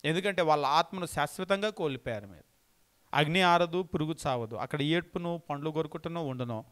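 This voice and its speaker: A man's voice: on the high side, fairly quick, a bit bright, clear, resonant tone. A man preaching a sermon, emphatic and repeating key phrases, asking the congregation pointed rhetorical questions.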